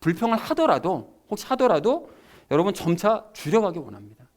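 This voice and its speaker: A man's voice: sits high, wildly swooping pitch, brisk. A man preaching a sermon as pastor, talking conversationally and emphatically to his congregation.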